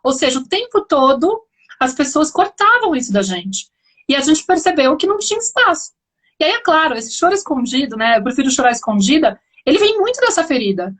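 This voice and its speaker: High-voiced woman host. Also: very animated, fairly quick, a bit bright. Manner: reflective, explaining, frequent "né" tags. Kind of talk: live online conversation.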